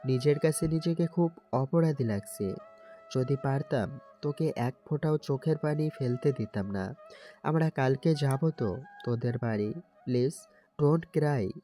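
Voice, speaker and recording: A man's voice: medium pitch, normal speed, mellow, faint music behind, close to an everyday voice. A young man playing a teasing, tender young groom in love in a romantic audio story, speaking intimately. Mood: tender, pleading.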